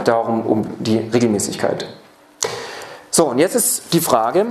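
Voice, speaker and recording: A man giving a seminar talk on apprenticeship training to a live audience, speaking to them directly and posing rhetorical questions. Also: fairly high pitch. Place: seminar or lecture room. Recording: roomy hall sound.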